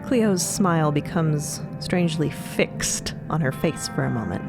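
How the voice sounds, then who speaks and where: A woman narrating scripted audio fiction in a deliberate, descriptive, dramatic style. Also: sits low, expressive, over music.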